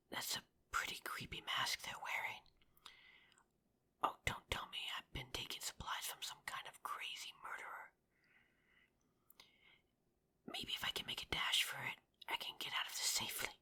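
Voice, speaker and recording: A woman playing an injured young survivor of a zombie apocalypse in a roleplay audio drama, with halting, emotive delivery. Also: bright, forceful tone, in a whisper. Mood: furtive, anxious.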